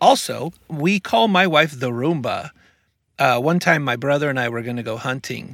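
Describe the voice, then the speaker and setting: Bright and sharp in tone, a man's voice moves at a moderate pace with ordinary pitch variation. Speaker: comedy podcast co-host. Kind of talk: casual comedic chat.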